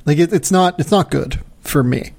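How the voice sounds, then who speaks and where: A man's voice: fairly high pitch, moderate pace, vocal fry, a little mellow. A man hosting a podcast in casual chat, talking loosely and repeating words. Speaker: podcast host.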